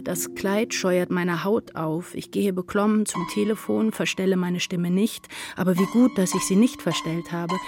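An actress playing an anguished, brooding woman writer in a literary radio drama, speaking in an introspective, measured way. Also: medium pitch, natural voice.

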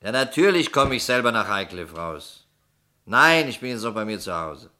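A worldly homicide detective: very deep, forceful voice, blunt, sardonic, probing. Radio play. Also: male voice, very animated, normal speed. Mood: brisk. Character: sharp, sceptical, worldly city homicide investigator. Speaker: actor in a radio crime play. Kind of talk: German radio crime drama acting.

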